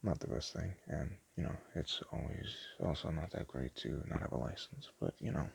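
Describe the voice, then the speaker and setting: A man doing a casual, improvised ASMR shopkeeper roleplay, soft-spoken and hesitant, rambling in a self-deprecating way. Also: extremely low pitch, expressive, normal speed, creaky, slightly rough. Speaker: ASMR roleplayer playing a small DVD shop owner.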